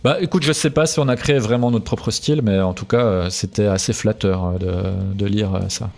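A man's voice: on the low side, brisk, creaky, a little mellow. A man being interviewed about his music, talking casually with many hesitations and restarts. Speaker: musician guest.

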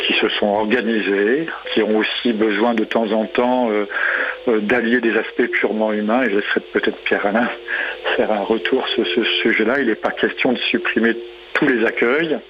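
A man's voice: fairly low pitch, steady tone, dull audio, slight background noise. A man speaking as a guest on a radio discussion, laying out his points one by one. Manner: measured, listing points. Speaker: guest, head of an intercommunal IT body.

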